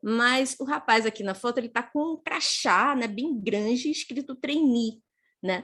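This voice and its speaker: A woman with a Pernambuco accent, animated and bright, sharp in tone, high in pitch with ordinary pitch variation, at a fairly slow pace against a quiet background. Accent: Pernambuco accent, noticeable. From Brazil, Pernambuco. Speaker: career speaker and HR recruiter. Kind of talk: online lecture. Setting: livestream.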